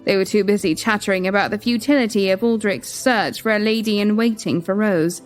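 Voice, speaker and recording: A woman narrating a palace story in first person, gentle and wistful, over soft music. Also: medium pitch, fairly quick. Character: queen narrating her own story.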